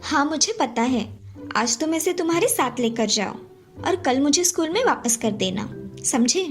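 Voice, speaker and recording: A woman's voice: sits high, expressive, moderate pace, faint music behind. A woman voicing a kind, confident schoolgirl in a cartoon story, speaking encouragingly. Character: kind, confident girl who reassures her friend.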